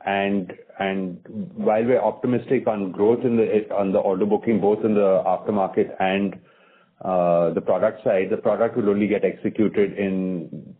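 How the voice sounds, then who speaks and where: A man, a company executive, answering analysts on an earnings call in a measured way with frequent restarts. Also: on the low side. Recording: tinny phone line.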